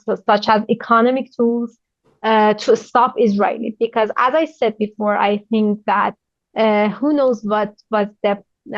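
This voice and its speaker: A woman from Iran with a Persian accent, answering news interview questions as a journalist in halting, non-native English, often searching for words. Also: mid-range voice, no room sound, highs cut off.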